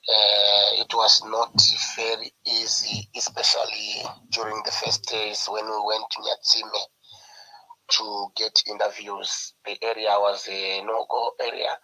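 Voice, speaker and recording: Male journalist on a video call, hoarse and gravelly from flu, low flat delivery, sharp edge to the tone. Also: a little slow, low-quality recording. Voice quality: husky, gravelly. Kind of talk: online panel discussion.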